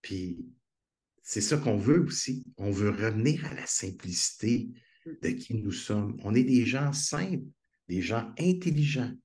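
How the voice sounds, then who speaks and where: With a darkish, lowish voice and a measured, expressive delivery, a Québécois-accented man shares stories as an interview guest over video call. He comes across as earnest and enthusiastic in the conversational exchange.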